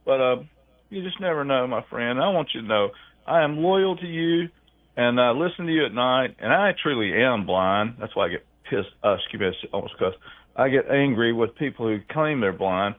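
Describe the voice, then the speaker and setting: Man, radio caller, rambling, folksy, very lively pitch, tinny phone line. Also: normal speed. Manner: rambling, folksy, calls the host "brother" and "my friend".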